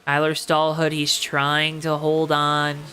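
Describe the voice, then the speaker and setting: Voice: mid-range voice, monotone, takes it slowly, bright, forceful tone, clean tone. A motorsport commentator calling a race live, with dramatic, emphatic repetition and colorful phrasing. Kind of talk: live play-by-play racing commentary.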